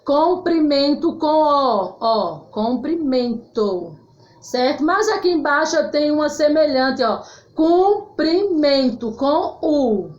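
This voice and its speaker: A Brazilian woman teacher with a high voice explains words slowly, one at a time, to young pupils and affectionately checks that they follow along. Her voice rings in an echoey room. The recording sounds somewhat muffled. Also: animated, a little mellow. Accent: Brazilian Portuguese. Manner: slow, clearly spelled-out words with frequent "tá certo?" check-ins; affectionate, calls pupils "meus amores". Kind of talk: grammar lesson for children.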